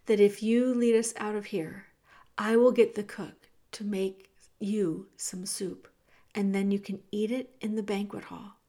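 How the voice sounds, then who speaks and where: Woman playing an earnest, gentle young princess. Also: medium pitch, flat delivery, measured pace.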